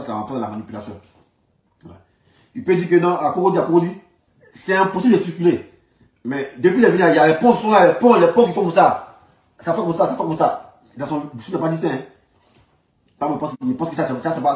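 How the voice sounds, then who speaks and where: A man with an Ivorian French accent giving informal political commentary, insisting on his points and repeating his phrases emphatically. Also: fairly high pitch. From Ivory Coast. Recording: roomy echo, distant from the mic.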